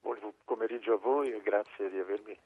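A man's voice: on the low side, steady tone, brisk, breathy edge, no room sound. A man, an actor guest, speaking emphatically and reflectively in a phone interview. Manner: warm-hearted, emphatic, reflective. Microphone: telephone. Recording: tinny phone line.

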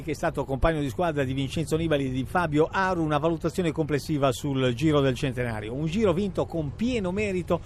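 Italian guy presenting sports on radio, emphatic report style, voice a bit on the high side.

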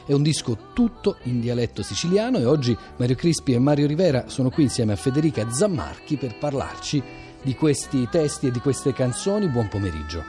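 A man's voice: mid-range voice, sing-song, fairly quick, dark tone, faint music behind. A man presenting and asking questions as the host of a radio interview.

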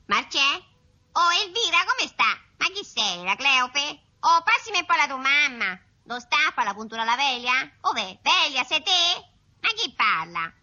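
Woman doing a harried housewife, high pitch, bright piercing tone, dull old radio sound. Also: very animated, heavily acted. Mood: exasperated. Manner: exasperated, scolding, rapid dialect chatter. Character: chatty harried middle-aged housewife on phone. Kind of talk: 1970s-80s radio sketch acting.

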